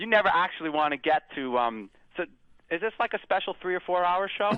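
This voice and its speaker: A man with a Boston accent speaks at a fairly quick pace in a high voice, his intonation lively. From Massachusetts, East Arlington. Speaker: caller. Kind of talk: casual chat. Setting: phone call.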